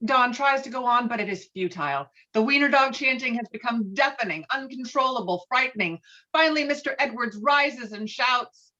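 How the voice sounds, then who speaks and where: A woman's voice: a little high, expressive, moderate pace, bright, forceful tone, lo-fi sound. A woman reading screenplay stage directions as scripted narration, on video-call audio.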